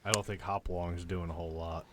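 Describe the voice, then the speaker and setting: Low-pitched man playing a tabletop game. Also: little pitch movement, fast, crowd noise. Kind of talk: casual in-character roleplay and table chat.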